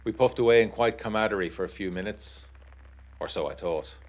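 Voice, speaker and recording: An actor as a low-voiced, uneasy 1920s gentleman. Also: natural voice. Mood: sombre, descriptive. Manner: formal, measured, literary. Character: uneasy, educated gentleman writing letters from 1920s Ireland. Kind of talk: dramatic reading of a gothic period letter.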